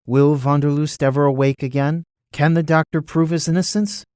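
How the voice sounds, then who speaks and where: A man hosts and narrates a scripted audio drama. His slightly high voice has a theatrical announcer delivery, like a serial teaser. Music plays clearly behind him. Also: fairly even intonation, moderate pace, a little mellow, no room sound, clean studio sound. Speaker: narrator, creator, host.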